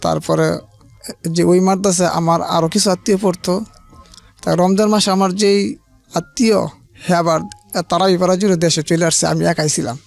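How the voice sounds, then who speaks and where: A man's voice: high-pitched, fairly even intonation, moderate pace, gravelly, pauses often, soft background music. A man telling his life story as an interview guest, hesitant and plain-spoken, with frequent restarts. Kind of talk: halting personal storytelling.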